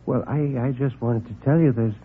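A man voicing a tiny, nervous, apologetic man who hesitates and stammers softly. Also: medium pitch, normal speed, slightly rough, phone-quality sound. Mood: timid.

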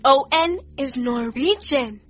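A woman's voice: high voice, lively intonation, takes it slowly, a bit bright, exaggerated voice. A woman voicing a flippant young witness who talks in slang, sarcastic and drawling. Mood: sassy. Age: young adult. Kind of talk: audio drama. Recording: dull, muffled audio with faint music.

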